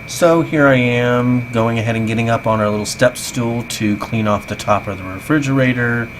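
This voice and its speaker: A man's voice: medium pitch, moderate pace, music in the background. A man in his thirties narrating a casual, chatty, self-deprecating vlog voice-over on a basic home microphone, sounding tinny, as if through a tin can. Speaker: vlogger. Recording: tinny home voice-over, clear background noise.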